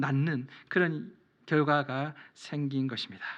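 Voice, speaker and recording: Raised and projected, the man's voice sounds bright, sharp and animated over a quiet background. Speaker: pastor. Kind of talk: sermon.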